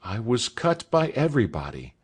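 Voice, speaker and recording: A man's voice: medium pitch, wildly swooping pitch, normal speed, breathy edge, pitched above the performer's own voice. A man reading aloud voices a nervous, earnest teenage schoolboy who speaks hesitantly.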